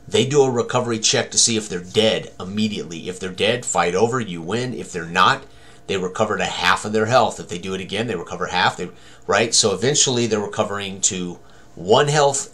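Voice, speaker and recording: Low-pitched older man explaining. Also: fairly bright tone. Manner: checks understanding with frequent "right?". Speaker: game designer presenting a tutorial. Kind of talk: informal explanatory tutorial. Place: indoor room at a desk.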